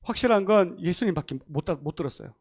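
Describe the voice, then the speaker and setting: A husky, high-voiced pastor talks fast through a sermon full of stories in a church sanctuary. He's animated, playing out the voices of the people he quotes, and he laughs a great deal.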